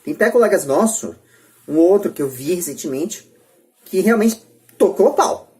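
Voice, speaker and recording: Brazilian woman, low voice, podcast host, emphatic, repeats herself for weight, opinionated debate delivery. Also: animated, normal speed, warm tone.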